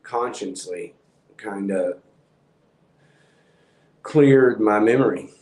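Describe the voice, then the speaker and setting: A man, hosting a livestream and rambling in a calm monotone with many ums. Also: on the low side, drawn-out words, reverberant, low-quality recording. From Texas. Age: 50s. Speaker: house painting business owner hosting a livestream. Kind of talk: rambling casual livestream talk.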